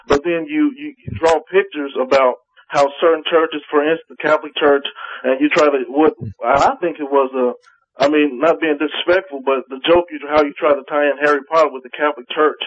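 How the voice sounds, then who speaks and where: A man's voice: a little high, fairly even intonation, fairly quick, a little hiss or hum. A man calling in to a radio show to debate, insistent and rambling, pushing his argument over the others. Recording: dull lo-fi call-in line.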